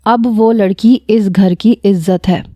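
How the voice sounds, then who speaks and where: A woman's voice: medium pitch, fairly even intonation, dark tone, no echo, highs cut off, lightly acted. A woman voicing an older uncle who speaks firmly and reasons things out. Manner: firm, reasoning.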